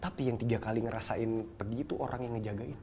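Fast-talking man telling a story. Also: medium pitch, mellow, slight background noise. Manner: slangy Jakarta street talk, quick and storytelling. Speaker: guest telling a personal story. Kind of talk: casual chat.

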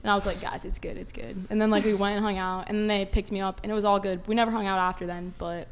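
A young woman of nineteen chats as a guest on a panel. She is informal and youthful, with a medium-pitched voice and casual phrasing. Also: flat delivery, quick pace, clear, resonant tone. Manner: youthful, chatty, informal, says "like" often. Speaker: panel guest, college student. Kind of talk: casual chat.

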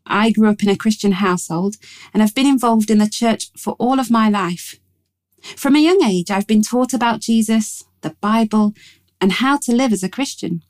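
A woman reading a scripted Christian devotional in a measured, reflective and reverent way. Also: mid-range voice, a little mellow. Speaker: devotional reader. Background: music behind the voice.

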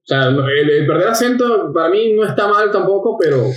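A man's voice: high-pitched, expressive. Man in an echoey room. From Venezuela. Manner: easygoing, quick affirmations, dry jokes. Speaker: podcast co-host. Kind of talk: casual chat.

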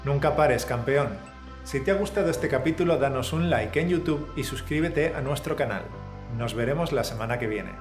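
A man's voice: a little high, brisk. A man co-hosting a scripted language lesson, encouraging the viewer in an upbeat, coach-like way. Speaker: Spanish teacher, co-host. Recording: roomy sound with faint music.

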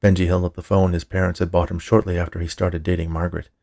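Male storyteller for a fiction podcast: deep, fry-edged voice, measured scripted narration. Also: little pitch movement, darkish tone. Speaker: writer, narrator and podcast producer.

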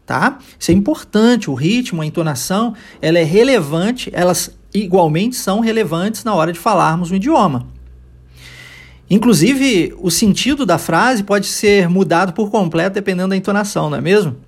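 A man with a Brazilian Portuguese accent teaching an English lesson, explaining patiently and modeling phrases slowly for his students to repeat. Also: high-pitched, lively intonation, breathy edge.

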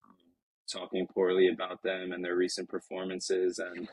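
Low flat husky young man. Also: no echo, poor audio. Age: 20s. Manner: reflective, halting, many restarts. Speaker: professional soccer player, guest. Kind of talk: casual interview talk. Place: Lisbon.

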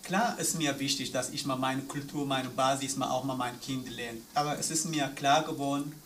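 A man's voice: mid-range voice, fairly even intonation, moderate pace, fairly bright tone. A man from Eritrea, whose first language is an Eritrean language, earnestly telling of raising his son while searching for words. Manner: earnest, searching for words in non-native German. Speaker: discussion participant, father. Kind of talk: personal account in a discussion round. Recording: distant mic with faint room noise.

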